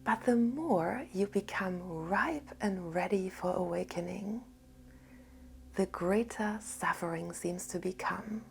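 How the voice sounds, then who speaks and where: A woman giving a gentle spiritual talk in a soft, half-whispered, calm voice. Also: lowish voice, vocal fry, slight background noise. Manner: calm and unhurried. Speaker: spiritual teacher.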